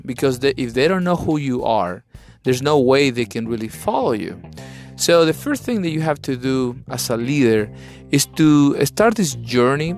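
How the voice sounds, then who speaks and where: A man with a Chilean Spanish accent, native in Spanish, talks as a podcast host. He is earnest and instructive in a conversational style, at a middling pitch, with plucked guitar music behind his voice. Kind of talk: conversational leadership talk.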